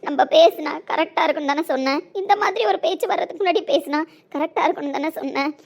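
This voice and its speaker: A woman plays a young woman in love who is hurt and desperate. She pleads and presses the same words again and again, in a bright, high voice. It is an emotional audio drama. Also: quick pace. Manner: pleading, repeats herself insistently. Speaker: lead character in an audio drama.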